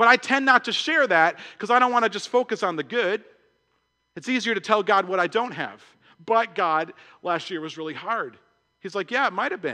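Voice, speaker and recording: Against a quiet background, a man speaks in a raised, projected voice at a high pitch, with a bright, sharp tone, lively intonation and a fairly quick pace. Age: 30s. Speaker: pastor. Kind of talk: sermon. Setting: church. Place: church. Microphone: headset.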